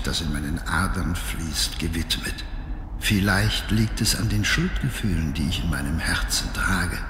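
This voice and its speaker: An actor playing a weary, haunted old nobleman in a video game, reading his diary in a solemn, deliberate, theatrical way. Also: deep voice, echoey room, big-room sound, noisy background. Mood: grave, regretful. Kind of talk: dramatic scripted diary narration.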